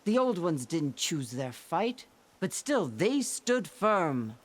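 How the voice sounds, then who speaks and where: Solemn tribal chief speech for a game, super slow, big swings in pitch, commanding. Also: male voice, big pitch swings, heavily acted. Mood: solemn, resolute. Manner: deliberate, declamatory. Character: solemn, commanding tribal leader rallying warriors. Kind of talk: dramatic video game oratory.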